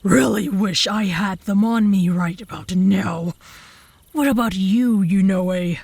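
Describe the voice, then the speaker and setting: A woman's voice: medium pitch, slow pace, vocal fry, darkish tone, breathy edge, no echo, heavily acted. A woman playing a cocky, possessive young female werewolf who taunts her rival smugly in a comedic ASMR roleplay. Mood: smug, taunting. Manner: smug, taunting.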